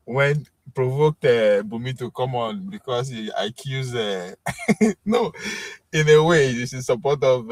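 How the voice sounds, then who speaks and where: A Nigerian man hosting a live stream, talking in a loose, self-assured ramble full of fillers and restarts. His voice sits at an ordinary middle pitch. The sound is dry and close, with no room around it. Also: no room sound. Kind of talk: casual chat with chat commenters.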